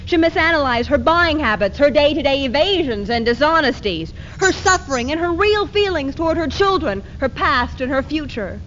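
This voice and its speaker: A woman's voice: high-pitched, expressive, moderate pace, few pauses, fairly bright tone. A woman performing a defiant feminist in readers theater, with emphatic, declamatory delivery on an old hissy archive tape. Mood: impassioned. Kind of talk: dramatic readers theater recitation. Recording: muffled 1970s archive tape with hiss.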